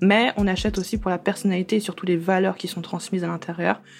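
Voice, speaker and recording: A woman talks against noticeable background noise. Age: 20s. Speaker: astrologer and small business owner. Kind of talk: interview. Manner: hesitant, many fillers.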